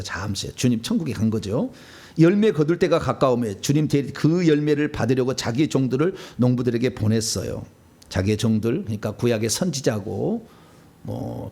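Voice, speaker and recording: Animated, high-pitched Korean pastor preaching. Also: male voice. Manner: animated, swings from low asides to loud shouted lines; asks the congregation questions. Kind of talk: Bible-study sermon.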